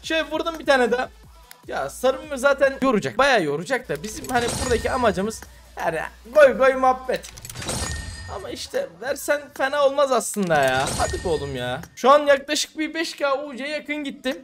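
A man's voice: very high-pitched, very animated, fairly quick, a bit bright. A young man commenting casually on a mobile game, exasperated and cursing at his bad luck. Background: music.

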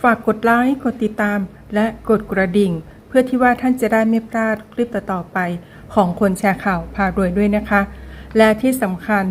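A woman's voice: medium pitch, slight background noise. A woman hosting an astrology channel, reading a horoscope and addressing her viewers politely with advice.

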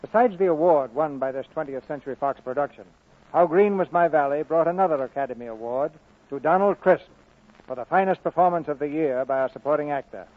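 A man's voice: on the high side, fairly quick. A man hosting a 1940s radio theatre broadcast, reading scripted announcements. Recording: muffled narrowband vintage radio broadcast.

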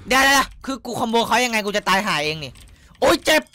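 A young man giving excitable, loud gameplay commentary, cursing and yelling at opponents, his throat sore from shouting. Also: high voice, quick pace, very noisy. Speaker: gaming YouTuber. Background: game music.

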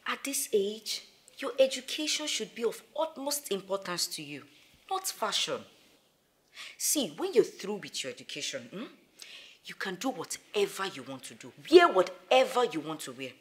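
A woman's voice: medium pitch, big pitch swings, moderate pace, lightly acted. An actress with a Nigerian accent playing a patient, earnest mother in a naturalistic film drama. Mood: earnest, pleading. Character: patient, earnest mother advising her teenage daughter. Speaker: actor. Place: large living room.

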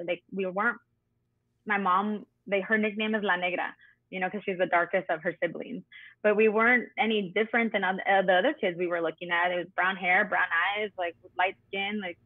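Woman, thirties, chef, animated personal storytelling, lots of "like", thin phone-like call sound. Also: fairly low pitch, no room sound. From San Diego–Tijuana border region. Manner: animated, frequent "like" and "you know". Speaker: chef and guest. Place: small home room indoors. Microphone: video call laptop mic. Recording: tinny phone-like call audio.

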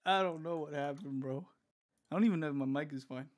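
Man on voice chat, somewhat high pitch, teasing, easygoing gaming banter. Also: fast. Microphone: remote voice chat mic.

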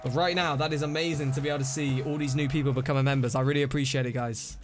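Talking very fast in a medium-pitched voice over a noisy background, a young streamer plays a zombie shooter and chats with his audience. He's excitable and talkative, calls out viewers by name, and is losing his voice from the excitement.

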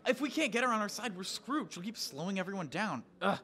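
Man playing an animated, excitable teenage stage actor. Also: high voice, fast talker, full character voice. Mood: frantic. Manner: dramatic, emphatic. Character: excitable, cocky teenage boy playing Romeo. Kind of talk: audio drama acting.

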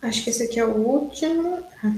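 Lady lecturer going thru exercises step by step, kinda high voice, echoey room. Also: animated, a little fast, mellow. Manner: explains step by step, frequent "né?" and "tá?" checks. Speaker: university lecturer. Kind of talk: online class solving exercises.

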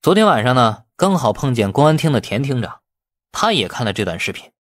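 A man's voice: medium pitch, very animated, brisk, no room sound, clean studio sound. A man voicing a brazen, cunning man who defies the police in an audiobook, taunting and defiant. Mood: smug, challenging.

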